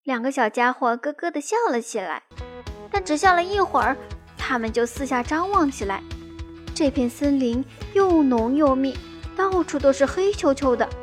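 A woman reading a children's story aloud in a slow, gentle and expressive way. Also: sits high, soft background music.

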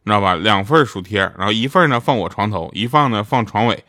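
A man's voice: lowish voice, lively intonation, quick pace, sharp tone, no echo, studio quality. A man who voices radio dramas, telling funny stories in a casual, chatty monologue and laughing at his own punchlines. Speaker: radio drama voice actor promoting his show.

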